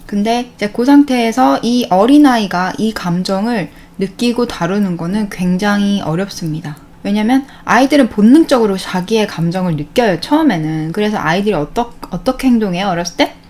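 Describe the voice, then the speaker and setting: A woman's voice: mid-range voice, animated, normal speed, hardly any pauses, darkish tone. A woman hosting a self-help channel, giving a casual spoken talk on emotional healing. She briefly acts out what parents and children say, and often repeats words or restarts a sentence.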